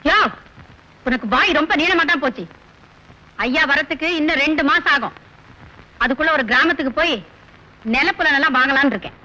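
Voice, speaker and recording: An actress playing a sharp-tongued wealthy village woman who scolds everyone, in 1980s Tamil film comedy. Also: sits high, a little fast, pauses often, muffled recording. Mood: bossy. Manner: scolding, bossy. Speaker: rich village lady.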